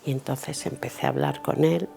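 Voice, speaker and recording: Middle-aged woman with a gravelly voice, recounting her testimony vividly and playing every voice in it. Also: very deep voice, steady tone, normal speed, dark tone. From Italy and Spain. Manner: vivid, acts out dialogue and inner thoughts. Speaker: interviewee giving a faith testimony. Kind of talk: personal storytelling.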